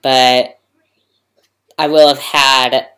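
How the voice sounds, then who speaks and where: A young trans man talking in a casual video diary to his computer mic, hesitant with many ums and pauses, sick and yawning. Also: mid-range voice, level tone, pushed and bright. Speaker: vlogger.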